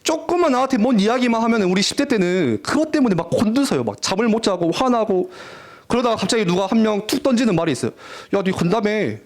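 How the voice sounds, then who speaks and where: A young adult man preaching to teenagers as youth pastor, telling stories in an animated way and acting out teens' voices. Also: sits high, fast. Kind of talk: lively youth sermon.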